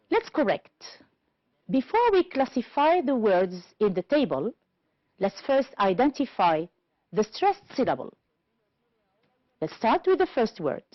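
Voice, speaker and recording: Slow, lively-voiced woman teaching English. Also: on the high side, no echo. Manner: slow, deliberate explaining with rising checks. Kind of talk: televised classroom lesson. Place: TV studio. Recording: dull, lo-fi dry studio sound.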